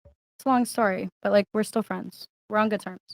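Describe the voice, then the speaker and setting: A woman's voice: medium pitch, steady tone, brisk, dry recording. A woman in her twenties from Orlando, answering a podcast panel's questions in a matter-of-fact, easygoing way. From from Orlando, Florida. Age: 20s. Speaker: panel guest.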